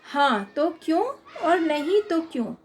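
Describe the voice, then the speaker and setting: Slow, patient high-voiced woman teacher. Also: sing-song, slight background noise. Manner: slow, patient explaining, reading questions and dictating answers. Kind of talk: workbook lesson for young children.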